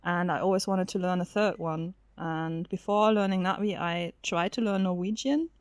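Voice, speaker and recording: A woman's voice: on the low side, normal speed, clear, resonant tone, dry recording. German-native woman chatting on a podcast, giggles a lot, lots of ums, dry close sound. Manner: chatty, laughs often, hesitant fillers. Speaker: featured guest. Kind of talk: casual podcast interview.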